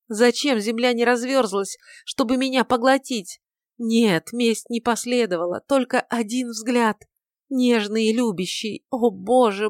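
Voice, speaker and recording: A woman's voice: on the high side, dry recording, studio quality, voice pushed up. A woman reading aloud and voicing a grown male apostle, anguished and desperate, in wailing, frantic outcries. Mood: grief-stricken. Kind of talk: audiobook reading of a dramatic novel.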